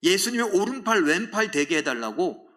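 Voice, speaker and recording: A man's voice: sits high, sing-song, normal speed, fairly bright tone. A male pastor preaching a sermon in a dramatic way, often putting questions to the congregation.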